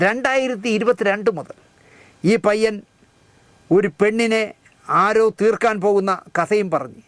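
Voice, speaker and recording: A man's voice: high-pitched, fairly bright tone, no room sound. A man delivering mocking, scornful commentary on current events, speaking straight to the audience. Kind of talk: satirical commentary.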